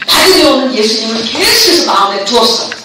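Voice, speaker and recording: High-voiced fervent woman pastor in an echoey hall. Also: lively intonation, fast. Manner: fervent call-and-response preaching, has the listeners repeat after her. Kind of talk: sermon to students at a camp. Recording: echoey hall, distant mic, background noise.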